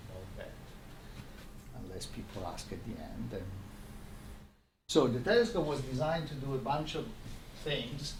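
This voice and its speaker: A man gives a scientific colloquium lecture in a medium-pitched voice. His explanations are halting, with repeated words. The recording is reverberant and distant, with clear background noise. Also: expressive. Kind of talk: academic lecture with slides. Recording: roomy, noisy lecture recording from far off.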